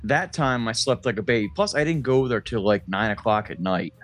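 A man's voice: mid-range voice, animated, fairly quick, fairly bright tone. A man co-hosting a casual comedy podcast, talking in a sarcastic, exaggerating, profane manner. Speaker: podcast co-host.

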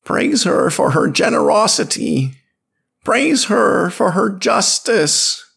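A man's voice: sits high, very animated, slow pace, creaky, a bit bright, slightly rough, voice pushed up, heavily acted. A man voicing an eager, devout old tribal elder whose voice cracks as he leads a chant.

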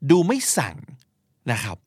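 A man's voice: moderate pace, no echo, studio quality. A man who speaks Thai as his first language, hosting a casual podcast lesson, explaining English phrases and reading out examples in a playful way. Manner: switches between Thai and read-out English examples; playful, animated emphasis. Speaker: podcast host teaching English.

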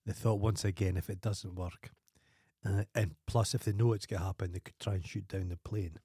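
Sweary low-voiced Scottish man rambling. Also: fairly even intonation, a little fast, dark tone, breathy edge, no room sound, clean studio sound. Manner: rambling, sweary storytelling with wild sung outbursts. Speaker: podcast co-host. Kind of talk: casual profane banter.

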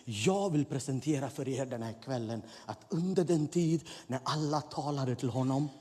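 Preaching husky pastor, echoey hall. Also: male voice, medium pitch. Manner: preaching with rising intensity, swings between soft and loud. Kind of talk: sermon. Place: church hall.

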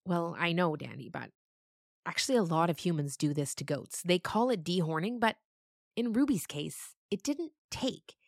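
A patient goat storyteller who carries her young listeners along with a lively, rising and falling voice, as a woman plays her. The sound is close and dry. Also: lowish voice, moderate pace, vocal fry, no echo. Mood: storytelling. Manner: storytelling, gently correcting.

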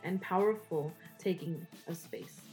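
Earnest low-voiced woman. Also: measured pace, a little mellow, soft background music. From Salvadoran heritage. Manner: earnest, heartfelt. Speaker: host, writer and singer. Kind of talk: speaking to camera about a project.

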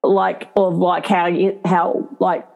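A woman's voice: on the low side, flat delivery, slow pace, creaky, narrow, tinny audio. A middle-aged Australian woman with an Aboriginal Australian accent, talking casually and emphatically, repeating phrases for stress. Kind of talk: casual conversation.

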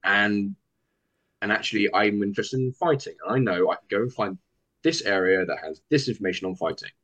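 A man's voice: on the low side, a little fast, a bit bright. A man guest chatting casually on a podcast, rambling and acting out what people say to him. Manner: rambling, acts out quoted dialogue. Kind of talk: casual chat. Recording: dull, lo-fi sound.

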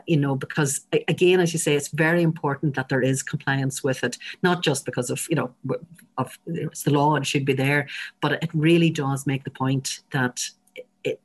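A woman's voice: rumbling low, slightly rough. An Irish woman explaining things as an interview guest, often rephrasing herself as she goes. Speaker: interview guest, public health advocate.

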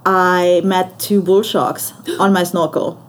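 A woman's voice: on the low side, steady tone, slow. Enthusiastic German-accented young woman. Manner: enthusiastic, laughs often, many fillers. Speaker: guest, shark researcher. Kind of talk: casual interview.

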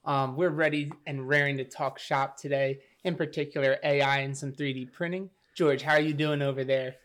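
A man's voice: mid-range voice, steady tone, normal speed, fairly bright tone. A man hosting a maker podcast, opening the show and chatting in an upbeat, jokey way. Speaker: podcast host, teacher. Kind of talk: casual podcast chat.

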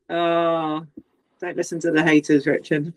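A woman's voice: low-pitched, very animated, takes it slowly, darkish tone, dry recording, rough recording. A woman co-hosting a podcast from a remote call, chatty and teasing, laughing often. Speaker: podcast co-host. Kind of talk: casual podcast chat. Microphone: remote call with headphones.

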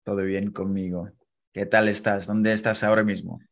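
Low, gravelly Englishman hosting a podcast. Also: flat delivery, moderate pace. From England. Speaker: podcast host. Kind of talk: casual podcast interview.

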